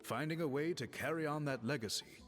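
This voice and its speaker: A man playing a dignified, formal tribal chief in a video game, speaking deliberately over music. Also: fairly high pitch, lightly acted. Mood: solemn. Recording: soft game music behind.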